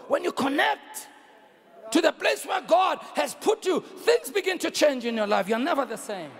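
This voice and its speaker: Bishop type, South African man, high strained gravelly shouting sermon, long hall echo. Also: a little hiss or hum. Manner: shouting, storytelling, repeats phrases for emphasis. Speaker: bishop and pastor.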